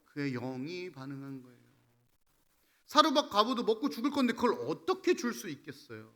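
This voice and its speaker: Bright-voiced man preaching a sermon. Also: high voice, big pitch swings, brisk. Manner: conversational preaching, rising to emphatic exhortation. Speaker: pastor.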